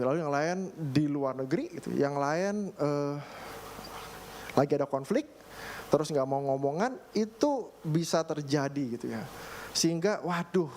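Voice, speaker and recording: Young pastor guy, chatty church sermon, clears his throat a lot, bit of background hiss. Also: fairly high pitch. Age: young adult. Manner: animated storytelling, frequent filler "gitu ya", throat clearing. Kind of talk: conversational sermon. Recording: faint background noise.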